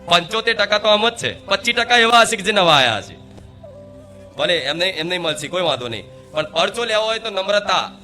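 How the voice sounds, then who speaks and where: A man's voice: high voice, expressive, a little fast, sharp tone, faint music behind. A man preaching to a live devotional gathering as the goddess's voice, rhetorical, quizzing the crowd and repeating key words for emphasis. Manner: rhetorical, quizzes the audience and calls for responses. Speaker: spiritual preacher speaking as the goddess.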